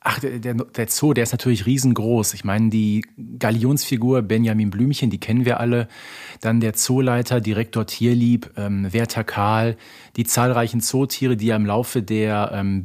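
A man's voice: medium pitch, darkish tone. A man co-hosting a fan podcast, talking in a conversational style. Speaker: podcast co-host.

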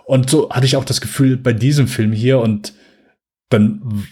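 A man's voice: mid-range voice, fairly even intonation, moderate pace, warm tone, breathy edge. A man co-hosting a podcast, chatting casually in a rambling, hesitant way with many fillers. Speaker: podcast co-host. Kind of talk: casual chat.

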